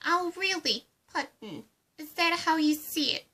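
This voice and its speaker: Giddy clown villainess, very high girlish voice, slow drawn-out phrasing, cutesy, brash, cartoonish roleplay. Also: lively intonation, pushed and bright, exaggerated voice. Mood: teasing, coaxing. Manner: cutesy, singsong, pet-name-dropping. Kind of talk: amateur character roleplay.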